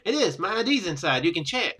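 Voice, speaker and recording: A man reads as an earnest young male tourist in a visual novel, polite and full of gratitude and apology. The voice is bright and fairly high, with music behind it. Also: big pitch swings, fast talker, slightly rough, full character voice. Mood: excited, insistent.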